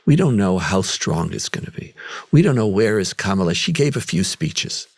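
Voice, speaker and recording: A man's voice: sits low, sing-song, moderate pace, slightly rough, dry recording. A man hosting a podcast discussion, talking earnestly and asking questions. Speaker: podcast host.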